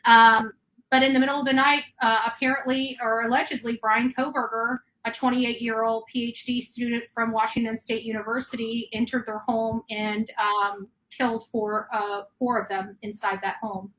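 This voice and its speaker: A woman's voice: fairly high pitch, little pitch movement, moderate pace, fairly bright tone, rough recording. A woman hosting a true crime call-in show, talking at length and often restarting her sentences. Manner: rambling, with many restarts. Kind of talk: live call-in chat.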